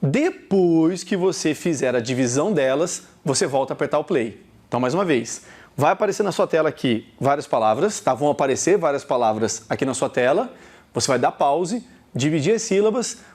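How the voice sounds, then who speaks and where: A man's voice: fairly high pitch, fairly quick. A middle-aged man with a Brazilian Portuguese accent teaching a recorded lesson, talking straight to the viewer. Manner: animated, talks straight to the viewer.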